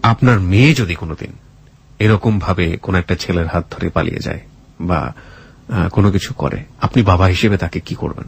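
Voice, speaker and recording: A man with a Bangladeshi accent hosts a radio show from a studio, telling stories and interviewing in an earnest, emphatic way with dramatic phrasing. His voice sits low and sounds gravelly and slightly rough, and he talks a little fast.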